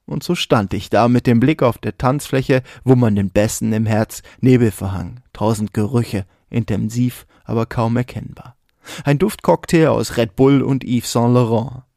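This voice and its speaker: A man's voice: medium pitch, vocal fry, dark tone, no room sound, studio quality. A man performing his own spoken-word poetry in a rhythmic, vivid delivery, laughing off his own slips. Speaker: poet and podcast host.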